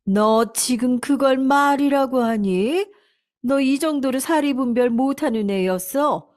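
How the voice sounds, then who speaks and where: A woman's voice: fairly high pitch, a little mellow, voice pushed up, close to an everyday voice. Casting: strict older mother-in-law, firm and scolding, storybook reading, by a woman.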